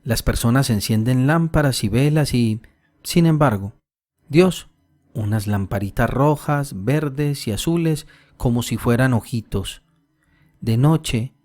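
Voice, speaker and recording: A man's voice: medium pitch, a little mellow. A man voicing a pious little peasant girl who earnestly tells another child about God, angels and the end of the world. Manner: storytelling, mimics her mother tenderly.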